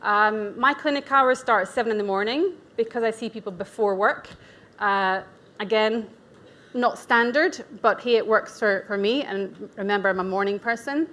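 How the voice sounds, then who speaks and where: A woman's voice: mid-range voice, moderate pace, a bit bright. A woman in her forties with a Scottish accent, giving a conference talk as a nutrition practitioner. She speaks chatty and candid, with asides and self-deprecating humour. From Scotland. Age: 40s. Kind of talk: conference presentation. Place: event venue.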